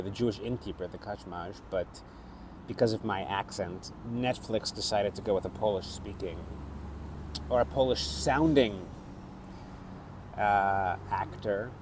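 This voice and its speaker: A middle-aged man with a North American accent, an actor reflecting on his life in a thoughtful, halting way with frequent restarts. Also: fairly low pitch, darkish tone, a little hiss or hum. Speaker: actor and theatre maker. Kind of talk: reflective personal vlog.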